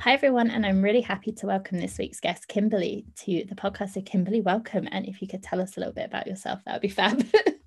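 Speaking at a very fast pace with hardly any pauses, a woman has an English accent and a medium pitch. Her voice is somewhat breathy, with fairly even intonation. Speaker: podcast host. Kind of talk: casual interview chat.

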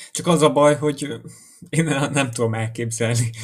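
Somewhat breathy, a man talks at a fairly slow pace. The recording is very clean, with a silent background. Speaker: podcast host. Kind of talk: casual podcast chat.

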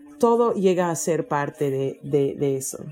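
A woman talks with an American accent. Her pace is very slow. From US South, rural southern Florida. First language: English (speaking Spanish). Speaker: worship singer and minister. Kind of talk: casual interview about faith.

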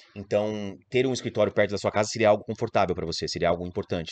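A man at a very fast pace, fairly low in pitch with ordinary pitch variation, in a dry, close sound with no echo. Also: hardly any pauses. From Brazil, São Paulo state (Amparo). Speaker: sales trainer and author. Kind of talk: interview.

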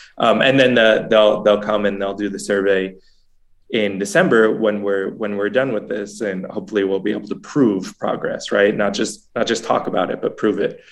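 A man speaks at a moderate pace in a fairly low pitch. His intonation stays fairly even. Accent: American. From US, New York. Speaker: bitcoin educator, former UN press officer. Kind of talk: casual interview. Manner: halting with frequent repetitions.

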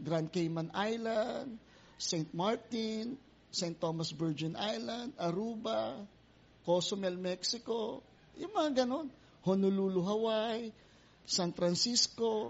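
Using lively intonation, a man with a high pitch speaks at a very slow pace. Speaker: pastor. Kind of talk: sermon. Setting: church. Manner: halting.

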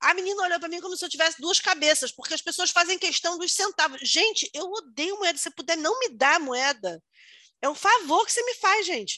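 With a raised, projected voice and a bright, sharp tone, a woman talks at a fairly quick pace with lively intonation, against a quiet background in a dry, close sound with no echo. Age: 40s. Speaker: podcast host. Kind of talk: casual chat.

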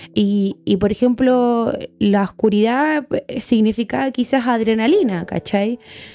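A woman speaks with a Chilean accent in a fairly high pitch. Her loudness stays very even, and her pitch varies in an ordinary way. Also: fairly slow pace. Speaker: podcast host. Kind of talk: casual chat.

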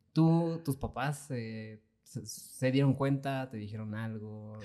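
At a very slow pace, a man speaks at medium pitch in a dark, mellow tone. His intonation is fairly even. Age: 20s. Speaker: podcast host. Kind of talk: casual chat.

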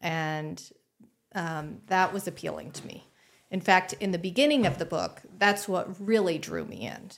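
A woman at a fairly slow pace, medium in pitch, with vocal fry, ordinary pitch variation and big swings in loudness. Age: 50s. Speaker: podcast guest discussing a book. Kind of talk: casual chat.

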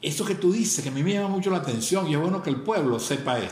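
With lively intonation, a man speaks at a fairly quick pace through noticeable background noise and audible room echo. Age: 60s. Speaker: psychiatrist and former mayor. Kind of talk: political talk show interview.

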